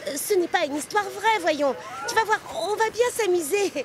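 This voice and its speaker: Chatty, very high-pitched brave-acting girl. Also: expressive, moderate pace, background noise. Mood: reassuring. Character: talkative young cartoon girl putting on bravery. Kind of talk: French children's cartoon dub. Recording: music playing behind the voice.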